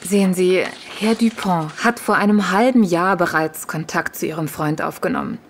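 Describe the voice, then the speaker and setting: A woman's voice: fairly low pitch, moderate pace, a little hiss or hum, natural voice. Businesslike female detective, played by an actress. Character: firm, businesslike female police detective questioning witnesses. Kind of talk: audio drama acting.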